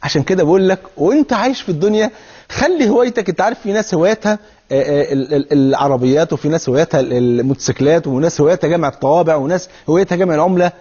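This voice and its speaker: Fervent Egyptian preacher, fast and high. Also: male voice, animated, dark tone, slightly rough, dull audio. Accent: Egyptian Arabic. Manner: fervent, addresses viewers directly with rhetorical questions. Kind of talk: televised religious sermon.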